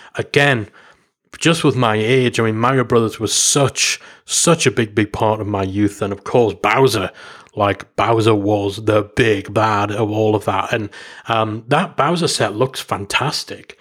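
With a British accent, this voice moves at a fairly slow pace and shows ordinary pitch variation. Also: man, fairly low pitch for a man. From Britain. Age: adult. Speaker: podcast host. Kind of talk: solo review monologue. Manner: casual, hesitant with fillers.

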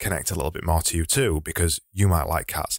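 A man with a Yorkshire accent speaks in a very deep, low voice with fairly even intonation. The recording is very clean and dry, close with no echo, over a silent background. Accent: broad Yorkshire. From Yorkshire, England.

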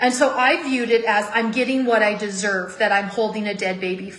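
A woman with a fairly high pitch speaks amid audible room echo and noticeable background noise. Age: 40s. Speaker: Bible teacher and author. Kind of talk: Bible study teaching with personal testimony.

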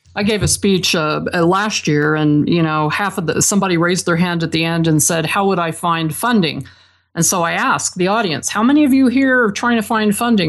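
An unremarkable speaking voice with ordinary pitch variation at a fairly quick pace. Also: woman. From US, Idaho. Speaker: author and business networking expert. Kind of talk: podcast interview.

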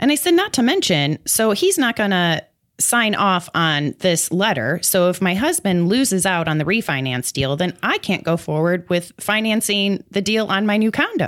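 A woman with a normal speaking voice and medium pitch, at a moderate pace with lively intonation, hardly any pauses and very even loudness, on a very clean recording with a silent background. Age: 40s. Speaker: bartender, divorce litigant. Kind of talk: personal testimony in interview.

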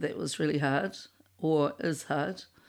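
In a very deep, low pitch with vocal fry, a woman speaks at a moderate pace. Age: 50s. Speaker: terminally ill cancer patient. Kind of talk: interview. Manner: halting.

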